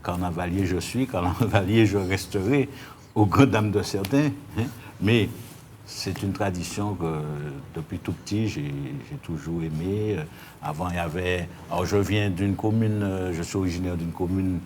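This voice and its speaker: Speaking at a moderate pace in a low, slightly mellow voice, a union leader with a Martinican French accent answers interview questions as a guest. He hesitates and repeats words while explaining, and the background noise is clear.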